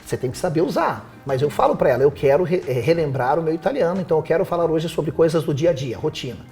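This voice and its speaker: Guest teacher on a podcast, male, rapid delivery, warm mellow tone, faint music bed. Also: a little high. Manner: animated, advising, rhetorical questions. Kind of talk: casual podcast conversation.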